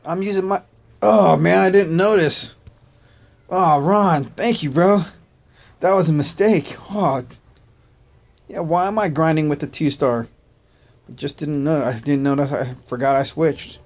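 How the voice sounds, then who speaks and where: Chatting casually on a game livestream, a man born in Korea, Korean his first language, thanks viewers by name and fills pauses with "uh" and "man." His voice is fairly high with vocal fry.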